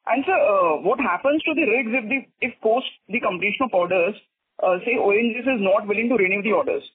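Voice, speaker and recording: Indian guy caller w high husky voice, polite n hesitant, asking investor questions on phone. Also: brisk, no echo. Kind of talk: investor question on earnings call. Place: phone call. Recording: dry, narrow, tinny phone line.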